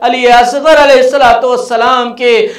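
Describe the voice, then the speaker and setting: A man's voice: extremely high pitch, level tone. A male Shia cleric delivering an impassioned, mournful religious sermon as a lament. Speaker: Shia cleric, guest speaker. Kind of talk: mournful religious sermon narrating Karbala tragedy. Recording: echoey room.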